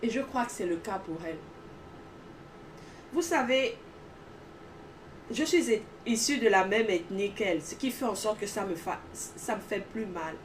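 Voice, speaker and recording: A woman speaks in an earnest testimony style, stacking emphatic repeated phrases. Her voice is mid-pitched and sits away from the microphone. A faint noise runs behind her. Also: lively intonation, measured pace, pauses often, far from the mic. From Gabon.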